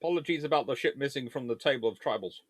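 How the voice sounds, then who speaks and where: A man's voice: mid-range voice, very fast, no room sound. A man hosting an informal history Q&A, talking in a discursive, emphatic way as he reasons through debates. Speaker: naval history video host. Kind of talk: informal explainer and viewer Q&A.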